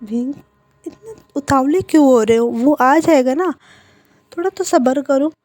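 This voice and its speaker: Lady doing a strict mom who scolds her sons, warm tone, dry sound. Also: high voice, unhurried, dry recording. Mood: chiding. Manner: chiding, motherly. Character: stern middle-aged mother.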